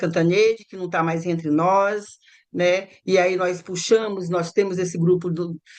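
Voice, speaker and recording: Intonation stays monotone and flat. Delivery runs at a fairly slow pace. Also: woman. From Maranhão, Brazil. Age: 60s. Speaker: activist. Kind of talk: podcast interview.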